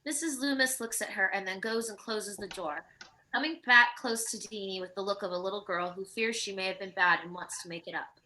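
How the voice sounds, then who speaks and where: Casting: female narrator for script directions, mid-range, crisp bright tone. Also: medium pitch, fairly quick, slight background noise, low-quality recording. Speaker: stage directions reader.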